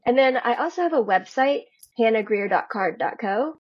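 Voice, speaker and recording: Husky-voiced woman, slightly high. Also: animated, normal speed. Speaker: guest, fiction writer. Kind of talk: story reading and casual interview talk. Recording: dull lo-fi recording.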